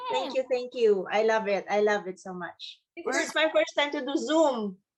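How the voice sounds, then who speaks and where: With a Filipino accent, a woman speaks at a moderate pace in a high-pitched voice with lively intonation. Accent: Filipino accent, non-native English. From Philippines. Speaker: yoga student. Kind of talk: casual chat. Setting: video call.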